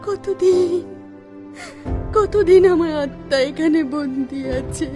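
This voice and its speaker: A woman voicing a restless, vengeful trapped ghost in a theatrical, slow, anguished manner that swells into threats. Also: very high-pitched, darkish tone, faint music behind. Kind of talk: theatrical voice-acting demonstration.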